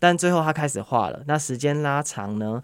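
A man's voice: on the high side, expressive, fairly quick, smooth, no room sound, studio quality. A man with a Taiwanese accent, an interview guest explaining things casually, patiently and agreeably, step by step. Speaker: interview guest, art and occupational therapist.

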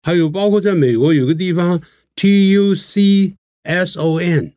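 A man's voice: sits high, a little slow, a little mellow, no echo. An older man teaching English pronunciation in casual chat, spelling words out and giving examples.

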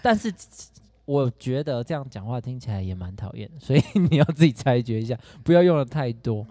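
Playful, animated man co-host. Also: mid-range voice, brisk, dry recording. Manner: playful, exaggerated delivery. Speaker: podcast co-host. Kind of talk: casual chat.

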